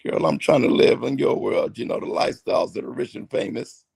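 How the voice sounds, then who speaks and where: Hoarse, gravelly-voiced man. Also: mid-range voice, fairly quick, no room sound. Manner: playful, laughing, lively. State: hoarse from allergies. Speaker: guest musician. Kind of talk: casual interview chat.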